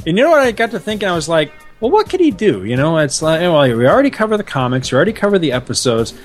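A man's voice: on the high side, big pitch swings, rapid-fire, faint music behind. A man hosting a podcast in a chatty, slangy, casual style. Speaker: podcast host. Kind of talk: casual chat.

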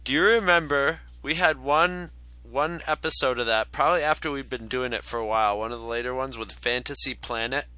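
A middle-aged man looks back on childhood projects in an easygoing, conversational way. His voice is smooth and bright, recorded close and dry. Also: mid-range voice, no echo. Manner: reminiscing, conversational, drawn-out. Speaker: podcast co-host. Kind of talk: casual chat.

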